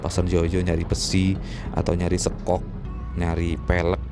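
A man's voice: deep voice, monotone, moderate pace, over music. A young man, chatting in a rambling, easygoing way while riding a motorbike in traffic. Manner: chatty, rambling, frequent fillers. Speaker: motovlogger. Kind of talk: casual chat while riding.

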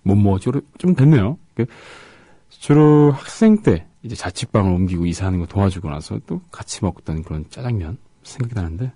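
Low husky halting male radio host. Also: animated, dark tone, no echo, clean studio sound. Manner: halting, with gaps between words and syllables. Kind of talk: casual radio talk reading listener comments.

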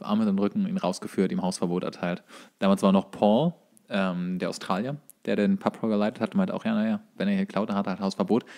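A man's voice: low voice, a little mellow. A young man, co-hosting a podcast and telling anecdotes in a casual, chatty way. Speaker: podcast co-host.

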